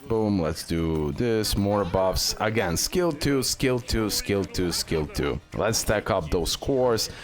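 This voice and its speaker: Low-voiced man commentating gameplay. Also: animated, slow, few pauses, faint music behind. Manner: repeats words and phrases. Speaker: gaming video creator.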